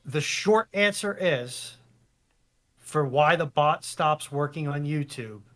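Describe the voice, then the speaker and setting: A man from the United States co-hosting a live stream, casually explaining technical matters in a halting, deliberate way. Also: on the high side, animated, a bit bright.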